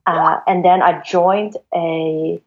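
A woman's voice: lowish voice, fairly even intonation, slow. A woman in her forties from Hong Kong, a guest investor telling her story in a chatty way, with many fillers and restarts. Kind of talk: casual interview storytelling. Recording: dull lo-fi sound.

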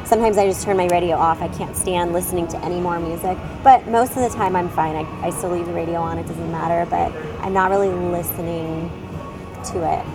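A woman in casual conversation, describing her work at a loud pool club in a relaxed, chatty way. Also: fairly low pitch, brisk, music in the background, poor audio. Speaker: pool club worker, guest. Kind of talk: casual chat.

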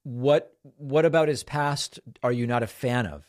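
Brisk man hosting a call-in show. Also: mid-range voice. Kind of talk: casual call-in talk and read sponsor ads.

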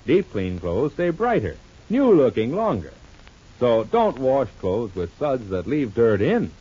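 A man announcing on an old radio broadcast, pitching a product and then narrating the soap opera in an emphatic, selling manner. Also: wildly swooping pitch, a little slow, dark tone, husky. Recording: dull lo-fi old radio recording, faint music.

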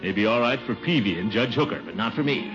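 An actor playing a pompous, blustering middle-aged water commissioner in a 1950s radio sitcom, boastful and chuckling. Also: male voice, medium pitch, expressive, fast talker, over music, lightly acted. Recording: dull old radio broadcast recording.

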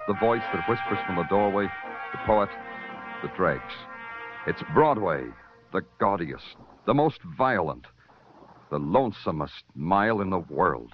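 A world-weary hard-boiled detective speaking in clipped, terse lines, his low voice still rising and falling with some life. The sound is an old, dull radio recording with music playing behind him. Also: animated, unhurried. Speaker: detective and narrator. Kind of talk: 1950s radio drama acting.

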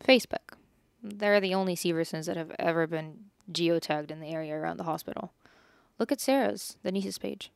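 A woman's voice: on the low side, normal speed, gravelly, clear, resonant tone, dry recording. A young woman in a scripted audio drama, earnest and curious, a little defensive.

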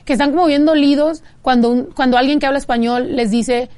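Mexican-american lady on a podcast, kinda high voice, laid back, keeps restarting. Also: fairly quick. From United States. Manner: relaxed, code-switching, frequent restarts. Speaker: guest rapper. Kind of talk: casual podcast chat.

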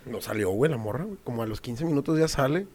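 A man's voice: mid-range voice, expressive, fast, a little mellow. A young man telling a story in casual chat, slangy, laughing often and swearing freely.

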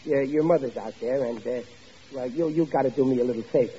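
An actor playing a blustering but soft-hearted working-class father in an old-time radio sitcom, stammering through his mock-stern talk. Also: medium pitch, fast talker, husky. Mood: sheepish, confiding. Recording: dull vintage radio recording, faint noise, audience.

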